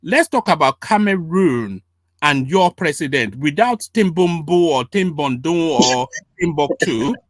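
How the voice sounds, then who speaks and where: Guy hosting a heated debate, keeps hammering the same question, pretty high voice, dry sound. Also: lively intonation, measured pace, no echo. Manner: pressing, repetitive, talks over the guest. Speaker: host. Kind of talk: heated live panel debate.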